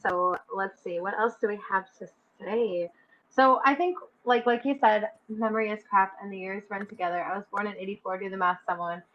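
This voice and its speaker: A woman's voice: medium pitch, a little fast, muffled recording. A woman in her twenties hosting a casual live chat, giggling often and reading out viewer comments. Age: 20s. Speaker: host of a live stream.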